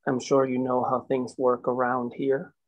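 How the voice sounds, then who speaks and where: A coal company enforcer leans on a woman with smooth, condescending menace, as a man reads the part at a table read. His voice sits at an ordinary middle pitch. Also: completely flat delivery, unhurried, dull audio, close to an everyday voice. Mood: cold.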